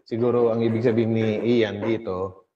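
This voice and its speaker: A man's voice: fairly low pitch, little pitch movement, brisk, lo-fi sound, a little hiss or hum. A man hosting a casual gossip vlog, reading posts aloud and laughing often.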